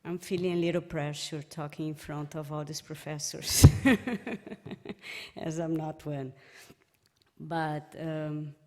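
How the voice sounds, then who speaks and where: A woman's voice: low voice, fairly even intonation, takes it slowly. A woman from Brazil with a Brazilian Portuguese accent, giving a personal remembrance speech at a memorial event, telling anecdotes and laughing lightly between remarks. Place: lecture hall. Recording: hall reverb.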